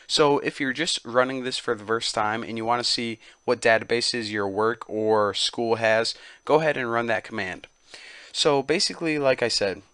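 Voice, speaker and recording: A man's voice: mid-range voice, dry recording, clean studio sound. A man hosting a casual screen-recorded tutorial, chatty and loose with many fillers. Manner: relaxed, chatty, uses many fillers like "go ahead" and "basically". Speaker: tutorial host.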